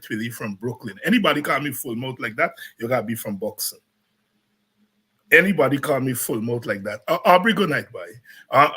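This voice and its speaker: A man's voice: medium pitch, a bit bright, breathy edge. A Guyanese man hosting a live show, chatting casually, greeting viewers by name and repeating his words as he rambles. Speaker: host.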